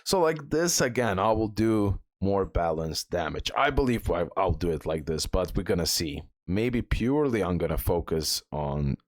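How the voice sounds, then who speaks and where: A man's voice: low-pitched, lively intonation, moderate pace, few pauses, dry recording, studio quality. A man giving a casual gameplay walkthrough as a guide host, thinking aloud as he goes. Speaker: gaming guide creator, host.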